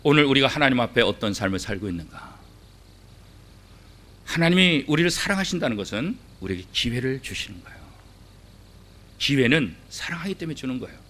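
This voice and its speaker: A middle-aged male pastor preaching a sermon, acting out quoted voices and asking the congregation rhetorical questions, swinging between loud and hushed. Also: mid-range voice.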